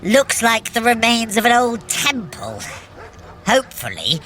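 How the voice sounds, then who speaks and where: A woman's voice: fairly high pitch, huge pitch swings, a little slow, bright, forceful tone, heavily acted. A woman playing a scheming trickster god in an audio drama, grandiose and self-satisfied, talking straight to the listener. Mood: encouraging, pleased.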